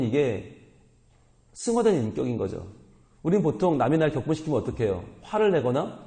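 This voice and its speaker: Male pastor, sermon, animated and humorous, slightly high and mellow, reverberant hall. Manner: animated, humorous, engages congregation with questions.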